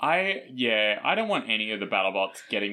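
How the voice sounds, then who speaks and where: On a very clean recording with a silent background, a man with an Australian accent talks in a bright, sharp tone with lively intonation. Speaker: podcast co-host. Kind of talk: casual chat. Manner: animated.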